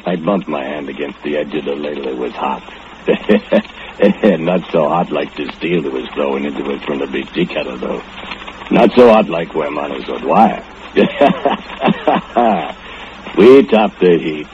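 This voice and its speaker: An actor playing a brooding, murderous foundry laborer who speaks broken English with menacing low chuckles, in old radio drama style. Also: male voice, noisy background, close to an everyday voice. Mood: gloating. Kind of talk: 1940s radio acting. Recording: dull old radio recording with loud music.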